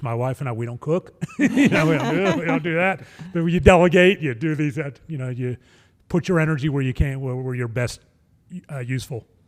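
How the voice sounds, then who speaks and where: A man with an American accent has an ordinary speaking voice. He speaks at a fairly quick pace with ordinary pitch variation. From Pittsburgh, Pennsylvania, US. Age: 60s. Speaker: author and former lawyer. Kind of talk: podcast interview.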